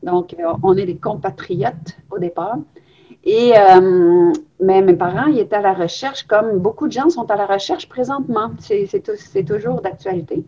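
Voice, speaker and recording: A woman in her forties, originally from Belgium, calmly explains her experience to an interviewer. Her voice is a little breathy and husky, and the webcam audio sounds somewhat muffled and lo-fi. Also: mid-range voice, normal speed. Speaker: guest. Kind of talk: reflective interview answers. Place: home room on a video call. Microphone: webcam on a video call.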